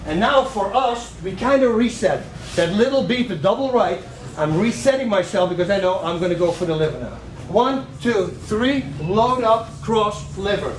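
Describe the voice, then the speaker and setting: A high-voiced man coaches a striking class in a training gym. He counts out combinations with punch sounds and shouts cues to his students. He sounds far from the camera, in a roomy hall with faint noise behind him. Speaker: martial arts coach.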